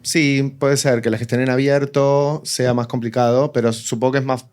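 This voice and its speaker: A man's voice: mid-range voice, steady tone, moderate pace, darkish tone. Argentine man speaking on a panel. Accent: Argentine Spanish. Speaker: panelist, audio fiction producer. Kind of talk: informal panel discussion.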